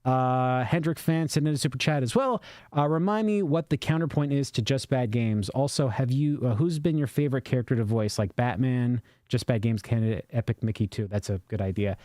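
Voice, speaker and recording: A male co-host on a casual livestream reads viewers' super chats aloud and rambles through answers with lots of fillers. His voice is medium-pitched, brisk, and darkish, captured cleanly on a studio microphone with no echo.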